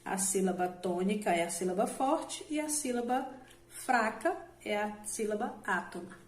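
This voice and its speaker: A woman's voice: mid-range voice, expressive, unhurried, echoey room. A woman teacher giving a recorded online lesson, explaining step by step with frequent "né?" check-ins and self-corrections, drawing out example words. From Brazil.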